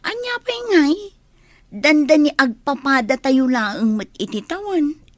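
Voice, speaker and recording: A woman's voice: high-pitched, very animated, measured pace, dry recording, clean studio sound. A young woman with an Ilocano accent, playing a chatty, teasing best friend in a radio drama. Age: young adult.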